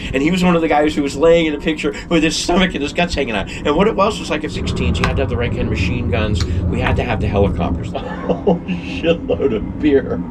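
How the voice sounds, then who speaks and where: Very fast and with hardly any pauses, a man with an American accent speaks at a fairly high pitch with very wide pitch swings, amid noticeable background noise and audible room echo. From San Francisco, California. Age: 70s. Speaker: former film crew member and body double. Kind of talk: casual interview chat.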